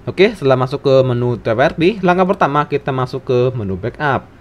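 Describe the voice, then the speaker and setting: A man's voice: medium pitch, lively intonation, fairly quick, dull audio. A man narrating a scripted tech tutorial, giving instructions phrase by phrase.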